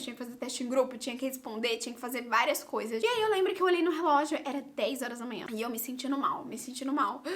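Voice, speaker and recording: A young woman from Brazil with a Brazilian Portuguese accent tells a story to her viewers in a casual vlog. She is animated and dramatic and keeps talking straight to her audience. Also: high-pitched. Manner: animated and dramatic, often addresses viewers directly. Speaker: vlogger.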